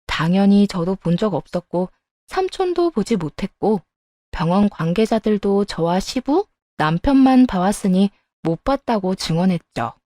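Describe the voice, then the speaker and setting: A woman narrating a personal family story in a calm, scripted storytelling voice. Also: medium pitch, moderate pace, dry recording.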